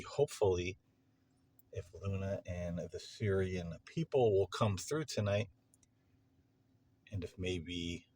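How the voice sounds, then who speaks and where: A man talking casually and unscripted to camera as a paranormal vlog host, with a halting delivery that pauses mid-sentence. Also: deep voice, slightly rough. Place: parking lot at night.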